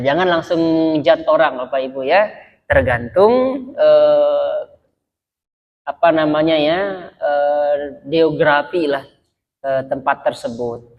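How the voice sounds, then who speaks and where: A male Islamic preacher from Sumatra giving a casual religious lecture, talking conversationally and often addressing his listeners directly. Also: on the high side. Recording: dull lo-fi recording.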